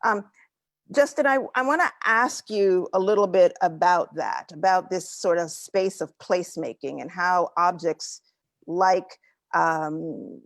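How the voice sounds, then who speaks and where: A woman's voice: on the low side, a little slow, no room sound, studio quality. A woman moderating a panel discussion, asking long probing questions that stall on repeated words.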